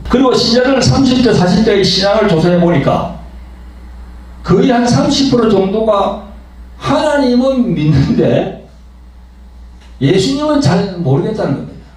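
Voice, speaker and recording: A man's voice: high-pitched, animated, moderate pace, long pauses, darkish tone, distant mic. A man preaching a sermon as pastor, emphatic and full of rhetorical questions, addressing the congregation and online subscribers. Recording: echoey hall, voice from afar.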